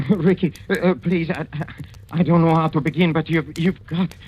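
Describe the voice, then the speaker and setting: A man's voice: fairly high pitch, steady tone, moderate pace, a little mellow, close to an everyday voice. An actor playing a scheming male boxing manager who stammers, pleads and menaces, in 1940s radio acting. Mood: pleading. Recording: dull old radio recording.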